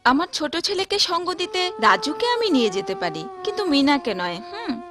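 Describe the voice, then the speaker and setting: A woman's voice: sits high, very animated, normal speed, over music. A woman voicing a matter-of-fact city landlady in a cartoon. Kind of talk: dubbed cartoon acting.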